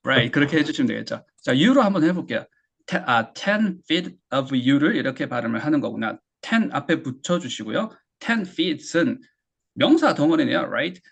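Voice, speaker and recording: Husky, gravelly man teaching pronunciation. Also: on the high side, sing-song. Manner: drills phrases and repeats them slowly. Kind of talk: classroom lesson.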